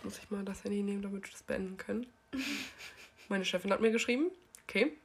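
A woman's voice: mid-range voice, fairly quick. Breathless woman podcast co-host. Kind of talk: casual chat.

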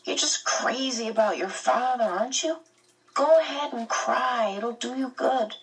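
A gentle teenage boy in a storybook, speaking in a slow, reassuring way, as a woman reader gives him voice. Her voice is slightly husky and sits away from the mic. Water sounds drift in faintly. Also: a little high, far from the mic, voice pushed up, heavily acted, poor audio.

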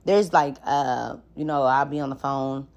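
A woman's voice: extremely low pitch, measured pace, creaky, a little mellow, lo-fi sound. A woman with an African American accent talking in a candid, casual podcast monologue, blunt and slangy with plenty of swearing. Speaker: podcast host.

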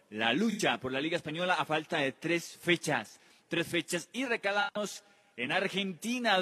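A man's voice: sits high, fairly bright tone, husky. A man presenting an international football news round-up, with emphatic delivery and stretched words. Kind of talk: sports news round-up narration. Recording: long reverb on the voice.

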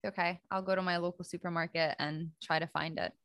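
A woman's voice: on the low side, fairly even intonation, fairly quick, a bit bright, no echo, studio quality. A young woman from Poland co-hosting a podcast, chatting casually and giggling often. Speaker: podcast co-host. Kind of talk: casual chat.

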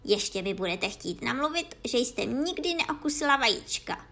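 A woman voicing a suspicious, complaining male pigeon in a storybook reading, with a lowered, gruff, scolding voice. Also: big pitch swings, bright, forceful tone, exaggerated voice. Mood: grumbling.

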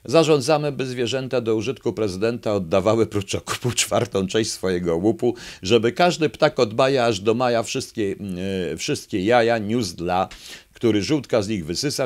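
A man reading aloud as a sly, smooth-talking male fox giving a grand campaign speech to the animals in a children's verse tale. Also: fairly low pitch, natural voice. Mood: commanding.

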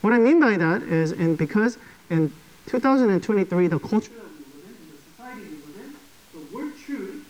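A man's voice: high-pitched, lively intonation, a little fast, a little mellow, rough recording. A man preaching a sermon to a congregation in a conversational way, often checking in with "okay?". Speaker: pastor.

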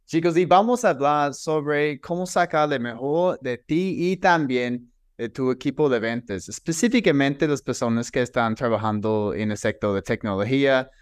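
A man hosting a sales podcast, energetic and chatty, asking long questions with fillers. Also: medium pitch, moderate pace, few pauses, clear, resonant tone, no echo, clean studio sound. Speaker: podcast host, sales expert. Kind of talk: upbeat podcast interview.

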